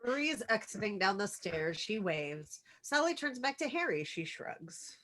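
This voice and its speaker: A woman's voice: medium pitch, very animated, normal speed, a bit bright, slight background noise. A woman reads out stage directions as scripted narration for a screenplay table read.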